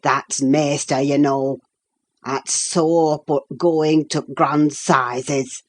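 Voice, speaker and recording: A woman voicing a gruff old male servant who speaks in broad Yorkshire dialect, slow and dour, in an audiobook reading. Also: deep voice, fairly even intonation, full character voice. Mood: grumbling.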